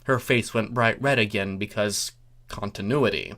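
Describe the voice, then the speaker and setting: A narrator reading comic fan fiction aloud in a deliberate, theatrical way, with wry asides. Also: medium pitch, a bit bright. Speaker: narrator, story reader.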